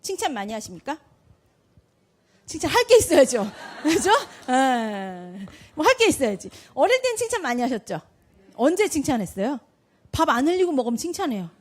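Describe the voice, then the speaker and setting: A woman speaking to an audience about parenting, her voice high and swooping up and down. She asks questions and answers them herself. She slips into quick little voices to play parents and children. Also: very animated. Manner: acts out parents' and kids' lines in quick voices. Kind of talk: lively talk to an audience.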